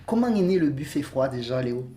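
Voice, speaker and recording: A man co-hosting a relaxed podcast, his voice swinging widely up and down as he jokes. He laughs easily and pokes fun at himself, keeping the chat loose and playful. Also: medium pitch, a little fast, a loud crowd. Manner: jokey, laughs easily, self-mocking. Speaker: podcast co-host.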